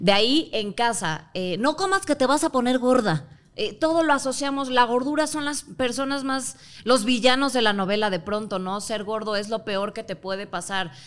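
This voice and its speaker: A woman with a Mexican accent speaks in an animated tone at a high pitch. Her pace is moderate and her intonation lively. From Mexico. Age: 30s. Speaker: body-positivity influencer. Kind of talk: casual chat. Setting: live audience at a hotel. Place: studio. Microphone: studio mic.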